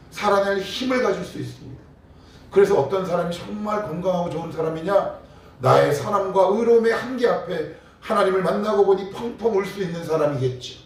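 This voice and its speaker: A middle-aged pastor with a high, slightly mellow voice preaches a morning prayer sermon, putting questions to his congregation in a conversational way. He is recorded from a distance in a church sanctuary, so the sound echoes and a faint hum sits underneath.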